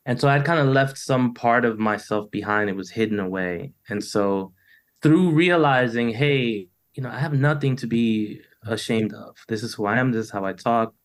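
A middle-aged man talks through his ideas over a video call. His voice sits at an ordinary pitch, and his speech is loose and thoughtful, dotted with "you know" fillers and restarts. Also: moderate pace. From United States. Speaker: poet, interview guest. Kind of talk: reflective conversational interview.

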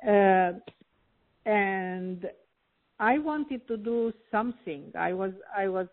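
A woman from Romania, a healer, talking slowly with many hesitant pauses in an interview. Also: medium pitch, animated. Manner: slow, hesitant, frequent filler pauses. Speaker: healer and guest. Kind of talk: interview conversation. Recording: tinny phone-like line.

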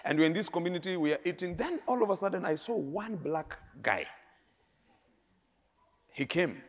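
A middle-aged man with a Kenyan accent, preaching a sermon with lively stories, laughing and swinging between soft and loud. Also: sits high, moderate pace. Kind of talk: sermon with storytelling.

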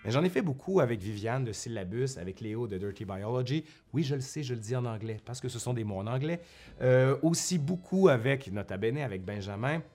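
Male history vlogger, Québécois accent, mid-pitched voice, informal and talkative, faint music in the recording. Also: lively intonation, fairly quick, mellow. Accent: Québécois French. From Quebec, Canada. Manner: chatty, self-correcting, with colloquial asides. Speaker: history YouTuber and university professor. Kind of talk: casual vlog monologue to viewers. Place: at home in front of a bookshelf.

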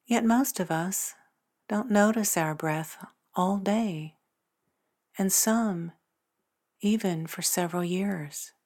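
A woman narrating a guided meditation in a soothing, measured manner with long pauses between phrases. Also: medium pitch, a little mellow. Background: new-age meditation music.

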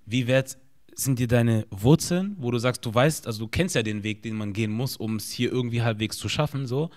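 A man's voice: mid-range voice, a little fast, a little mellow. A man in a casual conversation, talking in a reflective, questioning way.

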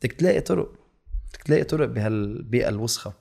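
A man's voice: medium pitch, expressive, creaky, a little mellow. A young man with a Lebanese accent telling stories in casual chat, mixing in English words. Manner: fast, mixes English words into his talk. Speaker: guest. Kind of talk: casual storytelling.

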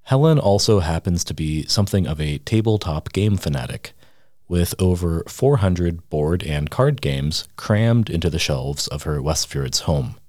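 A man narrating a scripted news feature as a reporter, measured and steady. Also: low-pitched, no room sound, clean studio sound. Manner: measured, reads quotes aloud in the same voice. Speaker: radio reporter.

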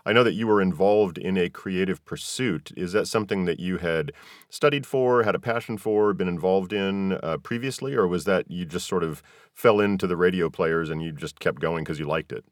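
A man with a deep voice hosts a relaxed, conversational interview. He is encouraging and affirming, and the sound is very dry and close. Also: normal speed, no room sound. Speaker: podcast host, interviewer.

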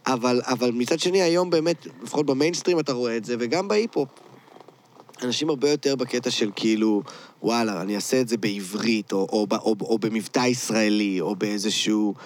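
A medium-pitched man with an Israeli accent, a rapper and producer, is being interviewed. He chats casually in slang peppered with English words.

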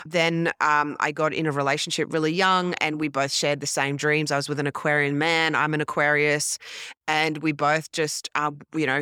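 An Australian woman in her forties tells her story in a restless, self-correcting rush, her first language French. Her voice is bright and smooth. The sound is dry and close. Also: low-pitched, no echo. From grew up in French Polynesia, then Australia. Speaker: podcast guest. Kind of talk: casual interview storytelling. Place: hotel room.

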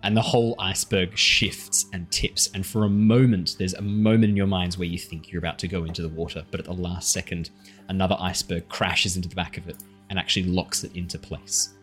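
A man's voice: sits low, little pitch movement, fairly quick, a bit bright, faint music behind. A man running a tabletop game as game master, improvising narration and chatting with the players in a self-deprecating, apologetic way.

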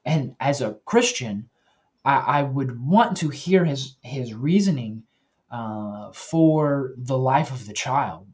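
A man hosting a Christian news commentary show, talking earnestly and directly to his listeners, often pausing and correcting himself. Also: mid-range voice, expressive. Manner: earnest, with self-corrections and pauses.

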